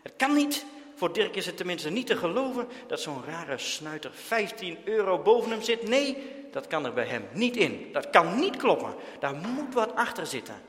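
Lively, expressive male storyteller. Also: high-pitched, moderate pace, big-room sound. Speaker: narrator. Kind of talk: reading a children's story aloud.

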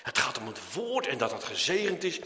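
A man preaching a sermon, acting out biblical figures as he goes, with his voice rising and falling in a lively way. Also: mid-range voice, fairly quick, in a large hall, slight background noise. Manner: animated, acts out voices of biblical figures, lively rises and drops.

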